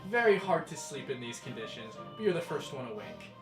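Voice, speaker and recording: A young man narrating as game master of a tabletop game, rambling with many fillers and quick bursts. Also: medium pitch, sing-song. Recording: echoey room with music behind.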